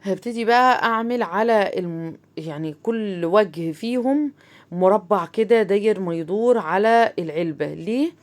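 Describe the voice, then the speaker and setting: A woman's voice: mid-range voice, moderate pace. A woman with an Egyptian accent hosting a casual craft tutorial, chatting straight to her viewers with plenty of fillers as she explains each step. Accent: Egyptian Arabic. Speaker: crafts channel host.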